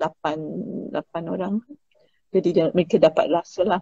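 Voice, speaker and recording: At a fairly slow pace, a woman speaks in a dark, mellow tone that is somewhat breathy. Her pitch varies in an ordinary way, and the sound is dry with no echo. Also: quiet background. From Malaysia. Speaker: choreographer; guest. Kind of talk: casual interview. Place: home room. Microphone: video call.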